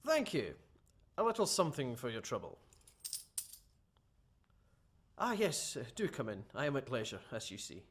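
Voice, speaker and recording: An actor playing a vain, haughty gentleman thief in a radio play, wry and mocking. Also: medium pitch, wildly swooping pitch, a little fast, a little hiss or hum. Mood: wry, composed. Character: vain, defiant gentleman thief awaiting execution.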